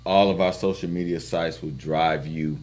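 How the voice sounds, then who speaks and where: Very deep-voiced calm man. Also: moderate pace. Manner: calm, hesitant with ums. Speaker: guest, event organizer. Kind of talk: interview answers.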